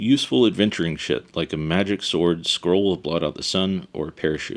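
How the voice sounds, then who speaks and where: Very deep and low in pitch, a man speaks at a fairly quick pace. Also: very clean recording, silent background. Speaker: tabletop RPG content creator. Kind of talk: casual talk to camera. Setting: home recording.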